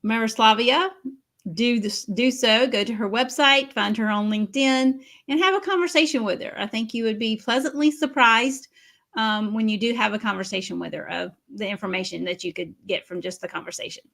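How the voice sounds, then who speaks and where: A woman's voice: fairly high pitch, brisk, creaky, fairly bright tone. A woman hosting a casual interview, enthusiastic and repeating "awesome" often. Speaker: host.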